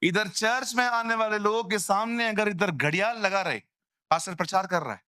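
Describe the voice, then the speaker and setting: A male pastor preaching a lively sermon in a church, mimicking people in quoted voices. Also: high voice, moderate pace, clean tone, no room sound, studio quality. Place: church hall.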